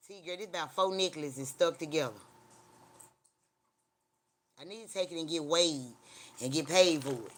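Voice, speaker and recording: A man's voice: sits high, bright, forceful tone, a little hiss or hum. A middle-aged man with a Southern African American Mississippi accent, chatting casually on a livestream in a rambling, blunt, profane country way. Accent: Southern African American English, Mississippi. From Mississippi, USA.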